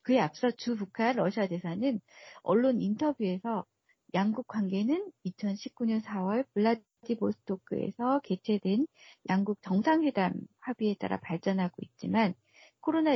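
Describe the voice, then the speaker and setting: Gravelly, husky female expert on radio. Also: medium pitch, no echo, highs cut off. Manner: formal, explanatory. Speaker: research fellow, expert guest. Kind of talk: prepared analytical radio commentary.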